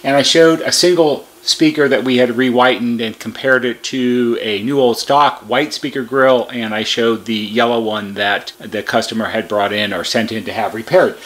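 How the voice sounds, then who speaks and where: A man's voice: mid-range voice, steady tone, moderate pace, few pauses, fairly bright tone. An American man giving a casual, plain-spoken video demonstration as a repair technician, explaining things conversationally. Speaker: repair shop technician presenting a how-to video. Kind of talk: casual product demonstration talk.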